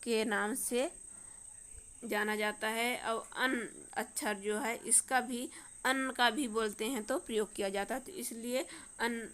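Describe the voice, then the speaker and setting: A woman's voice: a little high, fairly even intonation, slow, fairly bright tone. A woman teacher with a Madhya Pradesh Hindi accent, working through a worksheet and sounding out each letter one by one. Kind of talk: worksheet lesson walkthrough.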